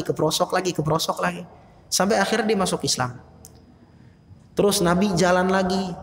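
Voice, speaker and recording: A man giving a casual sermon, retelling stories in a conversational way with slangy asides. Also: sits high. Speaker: preacher. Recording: echoey reverberant hall.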